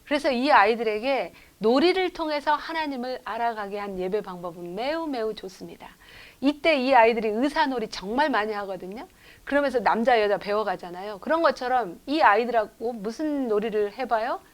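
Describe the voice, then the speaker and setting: A middle-aged woman professor giving a church education lecture, telling lively stories and asking the audience rhetorical questions. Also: on the high side, a little fast. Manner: acts out children's lines in quotes. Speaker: professor lecturing at a lay school.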